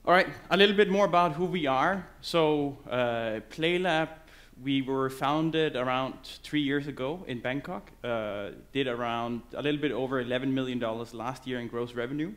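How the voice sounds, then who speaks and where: Male conference speaker, English, loose and halting on stage. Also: mid-range voice, a bit bright. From Denmark. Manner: loose, halting delivery with many fillers and restarts. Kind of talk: conference presentation.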